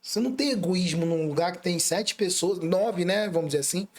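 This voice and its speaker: A man's voice: high-pitched, a little fast, crowd noise. A man hosting a casual interview, chatty and joking, often restarting his sentences. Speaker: radio host, interviewer.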